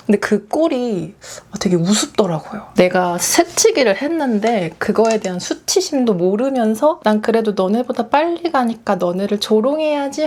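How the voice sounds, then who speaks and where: A young woman vlogger chatting through a story while doing her makeup, acting out what other people said. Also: mid-range voice. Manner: animated storytelling, acting out quoted voices. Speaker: beauty vlogger.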